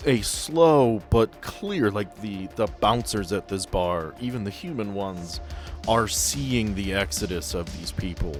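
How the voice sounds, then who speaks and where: A man's voice: fairly low pitch, expressive, a little slow, soft background music. A man game-mastering, moving between improvised scene narration and casual chat.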